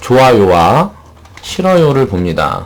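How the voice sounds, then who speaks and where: Noticeable background noise accompanies a man at medium pitch who speaks very slowly, his pitch swinging very widely. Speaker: stock investing YouTuber. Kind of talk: unscripted monologue. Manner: improvised, off the cuff.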